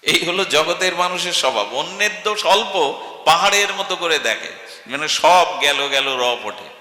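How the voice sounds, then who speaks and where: A man's voice: fairly high pitch, animated, moderate pace, bright, forceful tone. A man from Bengal preaching a devotional sermon, telling stories dramatically and asking rhetorical questions. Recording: echoey hall with long reverb.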